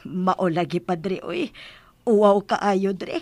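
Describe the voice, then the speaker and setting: A woman's voice: medium pitch, takes it slowly, darkish tone, no echo. An actress playing a flustered, teasing village woman in a radio drama comedy, with a Bisaya accent. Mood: sheepish.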